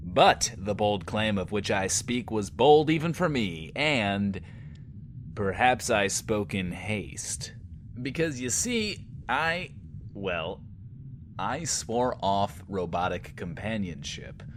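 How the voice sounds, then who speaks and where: An actor playing a swaggering but insecure host of a post-apocalyptic bunker radio show, talking in a pompous, wordy, theatrical way. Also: male voice, lowish voice, sing-song, slow pace, a little hiss or hum. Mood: boastful, theatrical. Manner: pompous, wordy, theatrical, talks of himself in third person. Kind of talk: in-world radio show monologue, audio drama.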